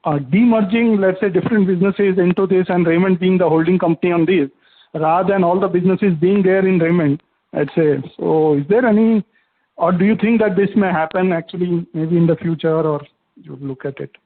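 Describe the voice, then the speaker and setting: Male investor caller, high voice, hesitant conversational questioning over a tinny telephone connection. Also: a little fast. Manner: hesitant, conversational, seeks agreement. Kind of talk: conference call questioning. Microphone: phone call. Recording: narrow tinny phone line.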